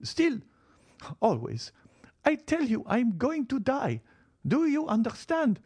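A man's voice: very high voice, wildly swooping pitch, takes it slowly, darkish tone, breathy edge, dry recording, voice pushed up, exaggerated voice. A man reading an audiobook, voicing a frail, commanding old marchioness who talks feverishly of death. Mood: imperious, feverish.

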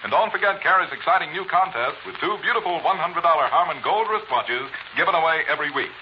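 A man's voice: a little high, expressive, fast talker. An American man reading an old-time radio advertisement as an emphatic, salesmanlike announcer. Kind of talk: 1940s radio advertising read. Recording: dull old radio recording, faint noise.

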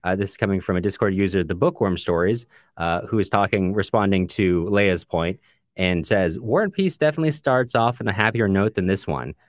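Male podcast co-host, low register, conversational and chatty, recorded dry. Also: a little fast, no echo. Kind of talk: casual book discussion podcast, reading listener comments.

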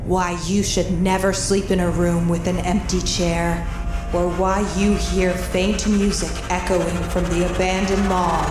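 A woman reading a scripted promotional trailer for a horror fiction podcast as its announcer. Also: mid-range voice. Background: music.

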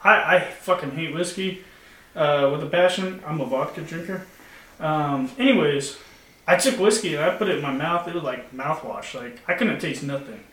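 Man, casual podcast chat, slightly high voice, echoey room, a bit off-mic, faint noise. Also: moderate pace, pushed and bright, recorded from a distance. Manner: loose, laughing, swears freely. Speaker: podcast co-host.

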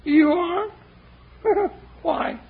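An actor voicing a good-natured, grumbling cowboy sidekick in a western radio drama, with a raspy, wheezy voice and a folksy drawl. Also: male voice, very slow, heavily acted. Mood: flustered grumbling. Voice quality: raspy, wheezy, cracked high voice. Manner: folksy drawling, flustered protests. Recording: dull vintage radio transcription.

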